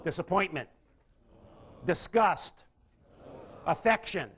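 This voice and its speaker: A man with a high voice teaches a sales seminar, animated and full of questions to his listeners. The recording sounds dull and lo-fi. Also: takes it slowly, a little hiss or hum. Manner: animated, asks the audience questions. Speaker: sales trainer. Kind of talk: seminar lecture.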